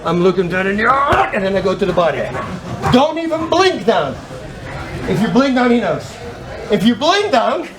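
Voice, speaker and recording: A high-voiced man coaches a striking class in a training gym. He counts out combinations with punch sounds and shouts cues to his students. He sounds far from the camera, in a roomy hall with faint noise behind him. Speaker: martial arts coach.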